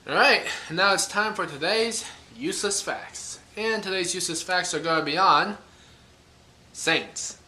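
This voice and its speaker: A man's voice: sits high, measured pace, sharp tone. A man rambling casually to camera, thinking aloud and correcting himself with wry asides. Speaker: vlogger. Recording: echoey room.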